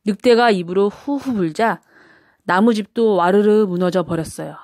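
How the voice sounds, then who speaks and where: Woman narrator for bedtime picture books, mid-range pitch, expressive reading for small children, dry sound. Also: normal speed, dry recording. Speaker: storyteller.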